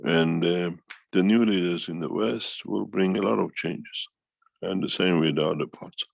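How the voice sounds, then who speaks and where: Very deep, gravelly man speaking off the cuff. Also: normal speed, no room sound. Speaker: foundation speaker answering questions. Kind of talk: unscripted talk, answering a question in an online meeting.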